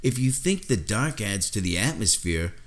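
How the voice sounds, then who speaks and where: An earnest young man, put on by an audiobook reader, eager to interview and easily unnerved. His voice is lifted and lively, with an anxious edge. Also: moderate pace. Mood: nervous, awed. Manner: earnest, anxious, higher and livelier than the narration. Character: eager, nervous young male interviewer, a boy. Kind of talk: audiobook character dialogue.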